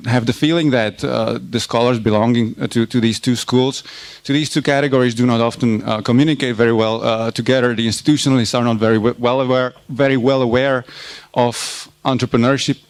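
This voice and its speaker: Halting male lecturer, gravelly. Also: mid-range voice, steady tone, no room sound. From Czech Republic. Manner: halting, often repeats words while searching for them. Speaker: university lecturer presenting research. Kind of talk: academic conference talk.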